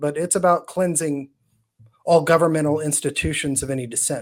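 A man speaks in a plain, everyday voice, fairly high in pitch, at a fairly quick pace with fairly even intonation. The recording is very clean, with a silent background. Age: 30s. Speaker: music educator and education advocate. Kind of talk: interview discussion.

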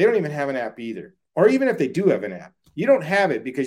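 Here a man talks at a very fast pace. He has an American accent and a fairly high pitch. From United States. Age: 50s. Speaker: startup founder. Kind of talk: interview.

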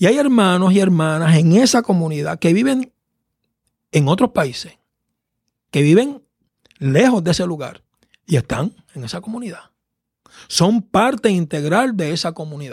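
Speaking at a moderate pace with long, frequent pauses, a man with a high pitch swings very widely in pitch and shows big swings in loudness. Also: dry, close sound with no echo. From Puerto Rico, Caguas. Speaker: pastor and seminary dean. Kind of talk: casual chat. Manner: halting.

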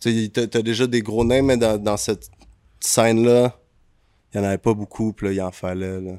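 With a dark, mellow tone at medium pitch, a man talks at a moderate pace in a monotone, flat intonation, leaving long, frequent pauses. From Montreal, Quebec (born in Indonesia). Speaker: rapper. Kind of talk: casual interview.

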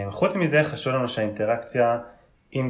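Audible room echo surrounds a man's voice. He speaks at a moderate pace. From Israel. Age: 20s. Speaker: NGO founder and Arabic teacher. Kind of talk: interview.

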